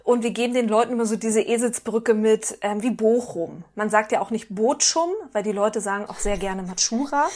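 A chatty German woman in her thirties is a podcast guest. She talks casually and corrects herself mid-sentence, and her voice sits slightly high. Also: normal speed, few pauses, a little mellow. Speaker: guest, founder of a musicians' network. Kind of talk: conversational interview.

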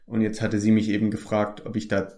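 An easygoing young man from the Palatinate talking about his acting work in a relaxed interview. His voice sits a little low. He hesitates often, restarting sentences and filling pauses. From Germany, Palatinate. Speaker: actor. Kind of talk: casual interview chat.

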